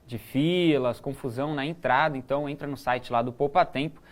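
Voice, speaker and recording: A man co-presenting a newsroom talk show, relaxed and chatty, often pausing with fillers and restarting his sentences. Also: mid-range voice. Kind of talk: casual news chat.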